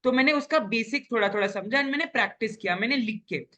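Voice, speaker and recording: A man's voice: extremely high pitch, fast, bright, forceful tone. A young man, a top-ranked exam guest, explaining his study methods earnestly and step by step, mixing in English. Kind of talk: casual interview chat.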